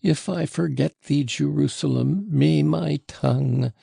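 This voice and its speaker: A man's voice: a little high, a little slow, creaky, mellow, husky, dry recording, clean studio sound, pitched above the performer's own voice, full character voice. A man voicing an anguished father, a frenzied and broken army captain, with intense delivery in an audiobook. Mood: frenzied grief. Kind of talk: audiobook character voice.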